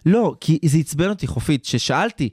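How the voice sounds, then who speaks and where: Young man, expressive storyteller, very lively pitch, dry sound. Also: breathy edge, no room sound. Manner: lively, expressive, acts out quotes in a higher voice. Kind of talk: casual chat.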